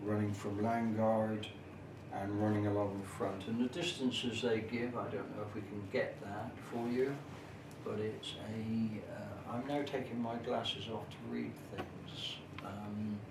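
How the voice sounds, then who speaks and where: A man with a slightly low voice gives an explanatory local history talk at a very slow pace. His phrasing is formal and measured, with hesitant pauses as he works through details. The sound is very echoey, picked up in a room by a camera microphone. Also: steady tone, far from the mic, background noise. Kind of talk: informal explanatory talk at an exhibition display.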